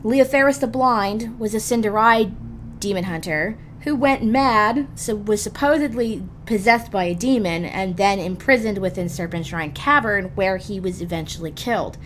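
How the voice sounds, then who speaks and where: A woman's voice: mid-range voice, moderate pace, fairly bright tone, a little hiss or hum. A woman hosting a gaming guide, narrating scripted explanations emphatically and speaking directly to the listener. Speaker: host of a gaming roleplay guide.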